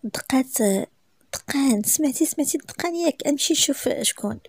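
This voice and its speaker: A woman's voice: high-pitched, lively intonation, fast, no room sound, clean studio sound, voice pushed up. A woman voicing a shy, playful young wife who speaks with a Moroccan accent, flustered and pleading. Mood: eager.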